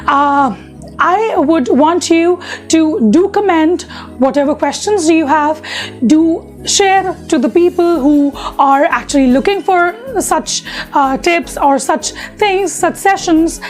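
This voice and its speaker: High-pitched Indian English woman coaching. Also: darkish tone. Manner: repetitive and earnest, with frequent fillers. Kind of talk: casual spoken lesson to camera.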